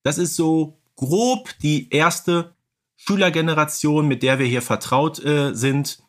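A man's voice: fairly high pitch, slow. A man co-hosting a podcast, casually explaining details and often checking for agreement with little tag questions. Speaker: podcast co-host. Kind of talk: casual podcast discussion of an audio drama series.

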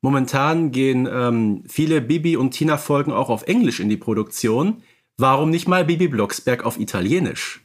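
A man's voice: medium pitch, expressive, moderate pace. A man co-hosting a podcast with casual, playful banter. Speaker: podcast co-host.

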